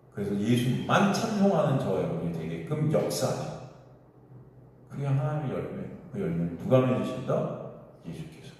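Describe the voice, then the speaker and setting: A man's voice: on the low side, mellow, slight background noise. A male pastor preaching a sermon, blunt and mocking, firing rhetorical questions at his congregation. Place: basement church hall. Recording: echoey hall, voice from far off.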